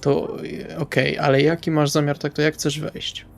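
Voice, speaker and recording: A man's voice: on the high side, level tone, moderate pace, gravelly, faint music behind. A man playing a tabletop role-playing game, improvising dialogue and narrating his actions casually in colloquial speech. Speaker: tabletop RPG player.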